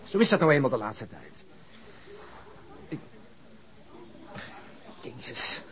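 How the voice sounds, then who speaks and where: Frayed, exasperated police detective. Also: male voice, mid-range voice, sing-song, takes it slowly, a bit bright. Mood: agitated, desperate. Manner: agitated, emphatic, exasperated. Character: frayed, volatile male police detective near breaking point. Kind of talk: naturalistic radio drama acting.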